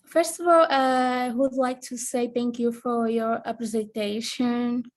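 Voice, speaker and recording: A woman student, asking a question haltingly and searching for words in English. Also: fairly high pitch, steady tone. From Portugal. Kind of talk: asking a question in an online session.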